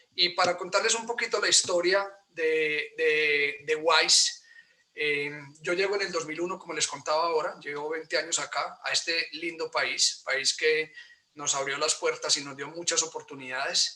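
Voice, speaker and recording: With an Antioquian accent, a man speaks at a high pitch and a moderate pace, his pitch varying in an ordinary way. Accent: Colombian paisa Spanish. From Colombia, Antioquia (Medellín). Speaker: real estate and mortgage businessman. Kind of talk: webinar presentation.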